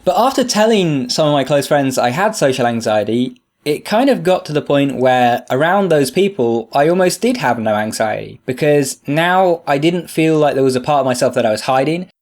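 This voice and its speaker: A man's voice: a little high, animated, normal speed, few pauses. A young man with a stuffy nose from a sinus infection, talking earnestly and openly to camera in a casual vlog, with lots of fillers. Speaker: video creator.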